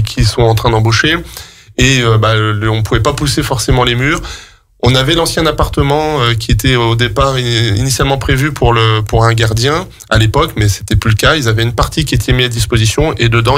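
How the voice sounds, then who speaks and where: A man with a French accent speaks as a guest in a radio interview. He explains practical matters step by step, halting and hesitating as he searches for words. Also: mid-range voice, fairly bright tone. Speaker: guest, public sports facilities staff.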